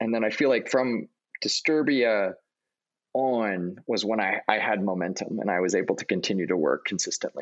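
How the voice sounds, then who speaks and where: In a Californian accent, a man talks at a moderate pace and medium pitch with ordinary pitch variation. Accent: General American (California). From Los Angeles, US West Coast. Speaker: screenwriter and director. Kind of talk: casual interview.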